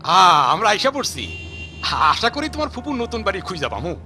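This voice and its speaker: A performer voicing a gentle, anxious village father in a cartoon. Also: mid-range voice, big pitch swings, normal speed, faint music behind. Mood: worried. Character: worried poor village father. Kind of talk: dubbed cartoon acting.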